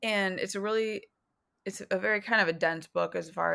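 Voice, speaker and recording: A woman speaks with a West Coast accent. The recording is very clean, the background silent. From US West Coast (San Francisco Bay Area). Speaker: football team communications staffer. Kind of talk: interview.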